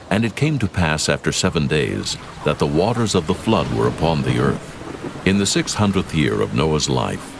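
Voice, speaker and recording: A man narrating scripture from a script in a solemn, measured storytelling manner. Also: a bass voice, vocal fry. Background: music.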